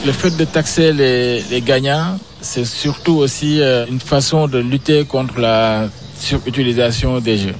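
A man's voice: medium pitch, measured pace, music in the background. A man from Senegal answering radio interview questions, hesitant, with frequent restarts. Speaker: interviewee, sports business founder.

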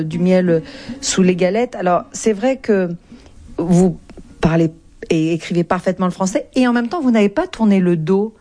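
Woman, interviewer, hesitant, many fillers, low pitch, dark tone. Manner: hesitant, with frequent pauses and fillers. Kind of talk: radio interview.

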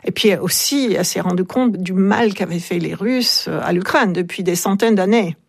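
A woman's voice: mid-range voice, moderate pace, vocal fry, husky. A woman, the author of a book, telling her subject's story in a radio interview, speaking conversationally with frequent hesitations.

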